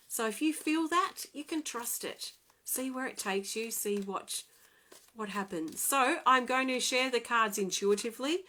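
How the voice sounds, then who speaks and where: A woman, excitedly and chattily reading oracle cards in a live stream from home. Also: medium pitch. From Australia. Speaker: oracle card reader.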